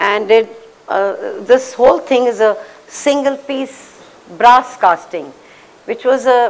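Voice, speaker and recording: Speaking at a fairly slow pace, a woman uses a high voice with ordinary pitch variation. There is noticeable background noise. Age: 60s. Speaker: sculptor. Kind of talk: lecture.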